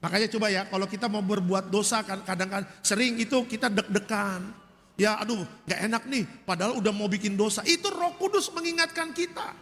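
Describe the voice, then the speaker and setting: A male pastor preaching a lively, humorous sermon to a congregation, acting out voices as he tells stories. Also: high-pitched, brisk, in a large hall.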